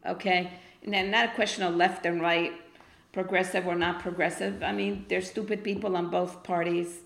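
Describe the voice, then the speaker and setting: Middle-aged argentine-born woman, blunt and emphatic, low-ish voice, roomy echo. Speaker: guest poet. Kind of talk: casual interview chat. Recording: echoey room.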